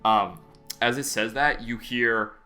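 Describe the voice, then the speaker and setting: A man running a tabletop game as game master, narrating haltingly with many fillers. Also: mid-range voice, pushed and bright, faint music behind.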